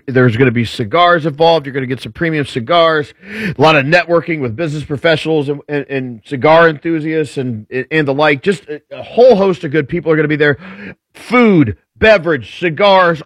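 A man's voice: fairly high pitch, no echo. Easygoing forties male co-host, mid-range voice, dry close mic. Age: 40s. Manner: easygoing, rambling. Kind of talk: casual radio chat. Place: radio studio.

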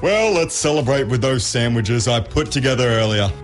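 A man's voice: mid-range voice, animated, moderate pace, soft background music, close to an everyday voice. A man voicing a friendly, cheerful wallaby storekeeper in a children's audio story. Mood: cheerful, hearty.

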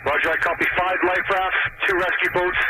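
A man's voice: high voice, flat delivery, a little fast, heavy background noise. A man working as a coast guard radio operator, heard over a marine radio transmission, speaking in clipped, formulaic radio phrasing. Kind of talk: radio procedure calls.

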